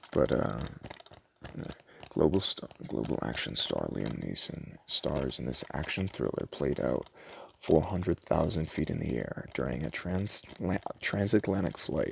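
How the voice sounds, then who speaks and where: A soft-spoken man whispers with vocal fry in a relaxed tone at a fairly slow pace. He leaves long, frequent pauses. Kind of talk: ASMR roleplay, casual talk as a DVD store clerk. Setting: recorded with close microphone for ASMR. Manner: soft-spoken, whispering, relaxed, chatty.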